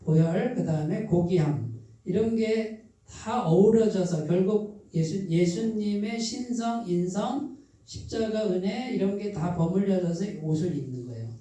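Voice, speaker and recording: A pastor with a Chungcheong accent delivers a midweek sermon in a call-and-response way, asking the congregation questions and supplying the answers. Key phrases are repeated slowly and softly for weight. The voice sounds very dark and mellow, and it reaches the mic from a distance across a hugely echoing church sanctuary. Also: mid-range voice, animated. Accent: Chungcheong Korean. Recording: very echoey hall, voice from a distance.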